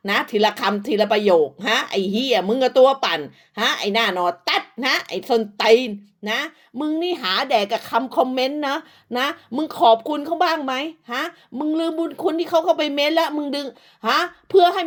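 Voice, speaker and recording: A woman's voice: high voice, expressive, a little fast, hardly any pauses. A woman ranting at rival creators, scolding and insulting them crudely, with repeated short tags. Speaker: online commentator. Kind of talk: profane rant at rival creators.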